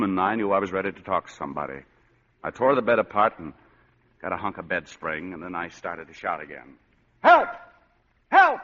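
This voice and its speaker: An actor playing and narrating a battered, sardonic private eye in a 1940s radio detective drama. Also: male voice, low-pitched, fairly bright tone, full character voice. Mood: grim narration. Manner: hard-boiled, sardonic wisecracks. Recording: muffled old radio broadcast.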